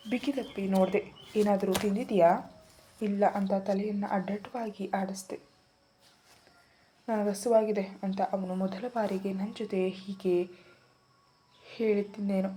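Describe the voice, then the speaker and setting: A woman reads a romantic tale aloud in the first person, her voice mellow and dark. She tells it at an emotional, unhurried storytelling pace, over a faint hiss of background noise. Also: medium pitch.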